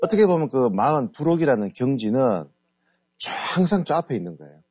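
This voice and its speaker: A middle-aged man who heads a company, being interviewed on the radio. He explains his ideas in a measured way. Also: mid-range voice, sing-song, darkish tone. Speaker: guest author and company head. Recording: dull lo-fi radio studio audio.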